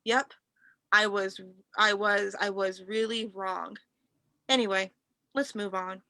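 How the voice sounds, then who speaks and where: A woman playing an arrogant, scornful wrestling prince in a staged promo reading, taunting haughtily and haltingly. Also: mid-range voice, steady tone, pushed and bright, no room sound. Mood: smug, mocking.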